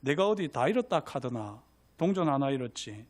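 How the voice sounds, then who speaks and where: A man's voice: mid-range voice, very animated, normal speed, pitched below the performer's own voice. Man doing a worried young girl in Gyeongsang dialect. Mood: sheepish. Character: scared young schoolgirl, elder sister.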